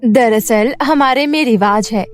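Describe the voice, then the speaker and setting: A woman's voice: on the high side, unhurried, lightly acted. A woman voicing a middle-aged, scheming queen mother in a cartoon story, talking persuasively. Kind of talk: Hindi cartoon story dubbing. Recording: music bed behind the voice.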